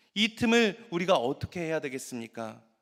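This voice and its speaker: With lively intonation and an animated tone, the speaker goes at a moderate pace on a very clean recording with a silent background. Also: man. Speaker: pastor. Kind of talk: sermon.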